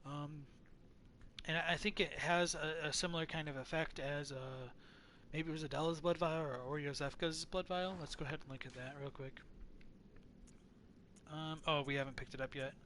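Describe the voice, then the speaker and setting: Bright-voiced man musing over game lore. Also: on the high side, steady tone, normal speed, slight background noise. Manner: thoughtful, hesitant, full of restarts. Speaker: let's play host.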